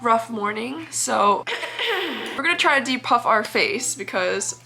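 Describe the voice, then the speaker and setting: A woman's voice: fairly high pitch, expressive, slow, vocal fry, bright, forceful tone, rough recording. Sick, phlegmy young woman vlogger. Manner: chatty, giggly, talks while doing makeup. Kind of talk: casual get-ready-with-me chat.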